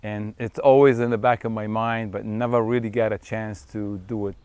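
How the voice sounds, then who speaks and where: Low, smooth-voiced middle-aged man from Syria. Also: flat delivery, darkish tone. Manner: unhurried, reflective, frequent fillers and restarts. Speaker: wildlife photographer. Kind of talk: profile interview.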